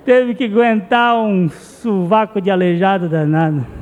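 A man's voice: high-pitched, a little slow, a little mellow. A man preaching a sermon as a pastor, telling stories with passion and repeating phrases for emphasis. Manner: impassioned storytelling with repeated phrases. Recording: long hall reverb.

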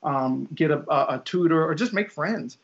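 A young male teacher, appearing as an interview guest, chats casually at a moderate pace in a fairly high, creaky voice. He rambles, using lots of fillers and restarting often, and the audio is dull and lo-fi.

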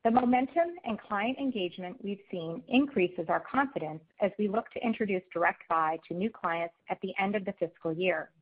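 A woman company executive giving a scripted corporate presentation on an earnings call, in a measured, formal read delivery. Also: mid-range voice, husky. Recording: phone-like conference call line.

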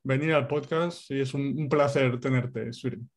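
Host: man from Spain, middle pitch, monotone, encouraging. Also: moderate pace. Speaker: podcast host. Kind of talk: podcast interview.

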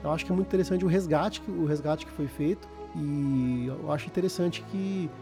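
A man's voice: a little high, fairly quick, vocal fry, music in the background. A Brazilian man chatting casually as a podcast host, slangy and often repeating words as he searches for phrasing. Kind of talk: casual chat about video games.

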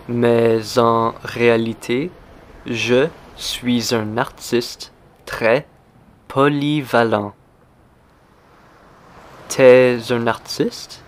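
Very slow-speaking male language teacher. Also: mid-range voice. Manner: very slow and deliberate, repeating phrases. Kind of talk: slow scripted language lesson.

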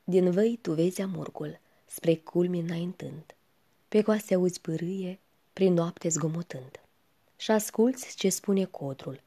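A woman with a low, mellow voice recites poetry slowly. Her tone is husky and breathy, and she keeps dropping into a hushed whisper. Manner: slow, hushed, often sinking to a whisper. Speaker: reader.

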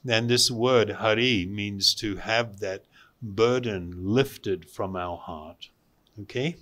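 A man giving an instructional spiritual talk to a group as a meditation teacher, speaking deliberately in short phrases with pauses. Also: lowish voice, a bit bright.

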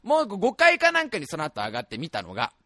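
Lively high-voiced excitable male storyteller. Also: quick pace, no room sound, clean studio sound. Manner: excitable, exaggerated comic storytelling. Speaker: podcast radio host. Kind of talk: comic storytelling chat.

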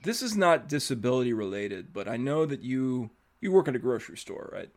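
A man's voice: medium pitch, very animated, fairly quick. Chatty man hosting a podcast. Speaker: podcast host. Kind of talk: casual interview chat.

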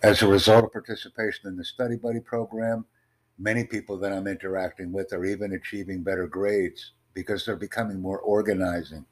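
A man with a very deep, low voice hosts an online chat. He speaks in measured, formal sentences, pitching his ideas like a presentation. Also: fairly even intonation, rough recording. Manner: formal, promotional, measured delivery. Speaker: host of online conversation. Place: in the United States.

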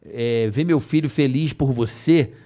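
A middle-aged man with a Brazilian accent hosting a podcast, reading sponsor spots and chatting in a lively, joking way. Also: medium pitch, unhurried. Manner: lively, jokey, spells out sponsor names. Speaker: podcast host. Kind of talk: casual podcast chat with ad reads.

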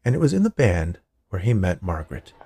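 Male storyteller for a fiction podcast: deep, fry-edged voice, measured scripted narration. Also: big pitch swings, warm tone. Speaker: writer, narrator and podcast producer.

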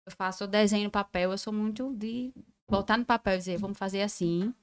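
A woman's voice: mid-range voice, steady tone, fast, clean tone. A woman in a casual podcast chat, telling anecdotes and quoting others with ease.

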